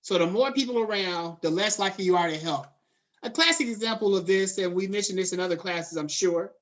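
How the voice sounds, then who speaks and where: A middle-aged man lectures his students in an easy, conversational way. He mixes textbook terms with relaxed slang and talks to the class directly. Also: high voice, brisk. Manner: conversational, drifts into casual slang. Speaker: college lecturer.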